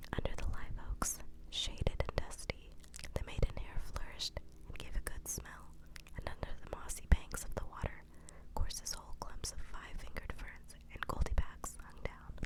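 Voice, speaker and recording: A woman whispering, with big swings in loudness and noticeable background noise. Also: moderate pace. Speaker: ASMR content creator. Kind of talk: ASMR book reading.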